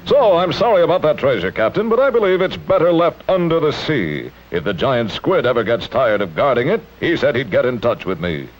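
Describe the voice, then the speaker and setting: An actor voicing a vain, pompous square-jawed hero in a 1960s cartoon. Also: male voice, medium pitch, sing-song, fairly quick, hardly any pauses, slight background noise, close to an everyday voice, poor audio. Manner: smug, pompous hero talk.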